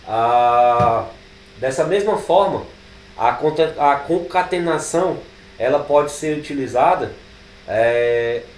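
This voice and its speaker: A Brazilian man teaching programming, thinking aloud as he types code, with drawn-out fillers. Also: medium pitch, far from the mic. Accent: Brazilian Portuguese. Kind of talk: live coding class. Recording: echoey room, speaker away from the mic, faint background noise.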